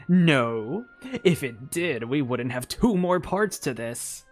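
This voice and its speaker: A woman's voice: low-pitched, animated, slow pace. A woman giving casual live gameplay commentary as a streamer, exclaiming and swearing freely. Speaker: game streamer. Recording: faint game music behind.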